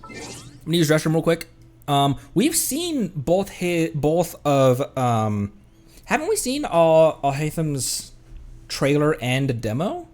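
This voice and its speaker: A man's voice: on the high side, wildly swooping pitch, slow, darkish tone. A man streaming a video game, chatting casually in a rambling, hesitant way as he thinks aloud. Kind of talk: casual livestream gaming chat. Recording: music in the background. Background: background music.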